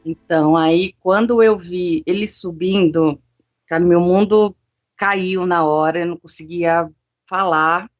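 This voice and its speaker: A young woman, telling a personal story in an interview in an emotional, animated way with casual slang. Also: fairly low pitch, measured pace, muffled recording, faint music behind. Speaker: interviewee, psychic.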